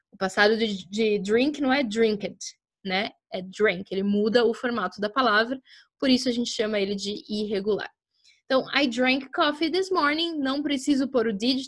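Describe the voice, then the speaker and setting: Here an English teacher, a woman, walks through grammar conversationally, frequently checking in with listeners and slowing to spell out sample sentences. She speaks at a fairly high pitch.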